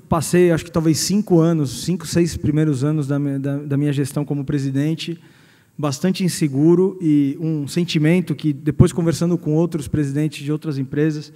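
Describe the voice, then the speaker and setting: Mellow Brazilian man speaking in an echoey hall. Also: a little high. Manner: hesitant, repeating words as he searches. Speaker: company president giving a guest lecture. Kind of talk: personal career talk to an audience. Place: large hall at a university event. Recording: echoey hall with long reverb.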